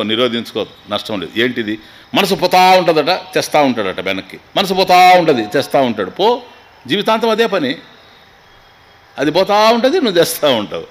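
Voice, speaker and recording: Animated swami with a lively voice. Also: male voice, mid-range voice. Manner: animated, rhetorical questions, English phrases mixed in. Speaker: swami giving a spiritual discourse. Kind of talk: Vedanta discourse in Telugu.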